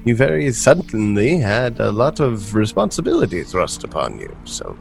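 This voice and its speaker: A man voicing a kindly, flustered old male circus professor in his seventies, with a raspy, breathy voice and a stammering, hesitant way of talking. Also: fairly low pitch, wildly swooping pitch, moderate pace, exaggerated voice. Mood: gracious. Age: 70s.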